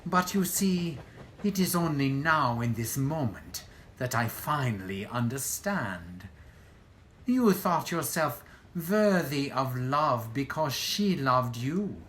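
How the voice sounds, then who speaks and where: Slow, gloating Nazi general. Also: male voice, medium pitch, sing-song, fairly bright tone, a little hiss or hum. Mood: gloating menace. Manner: pompous, theatrical, taunting. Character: ruthless, gloating Nazi general bargaining for his life. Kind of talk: audio drama acting.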